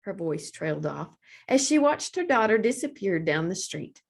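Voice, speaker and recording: A woman hosting storytime, reading a children's picture book aloud in a deliberate, expressive storytelling manner. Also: mid-range voice, vocal fry. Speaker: storytime host, librarian.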